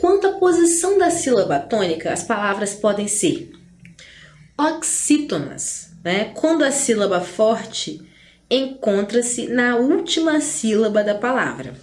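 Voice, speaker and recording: A Brazilian woman teaches grammar online in a chatty manner, with a Brazilian Portuguese accent, often ending lines with "né?" and slipping in "gente" asides. Her voice is a little high and a little mellow, with big swings in pitch, and she slows down to stress syllables. The recording has a roomy echo.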